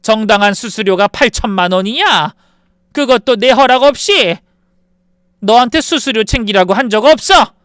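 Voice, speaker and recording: A man voicing a furious woman in her sixties who scolds her son and daughter-in-law in sharp demands, in a dramatized story reading. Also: high-pitched, animated, moderate pace, clean tone, dry recording, clean studio sound, voice pushed up. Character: furious older woman, a landlord mother.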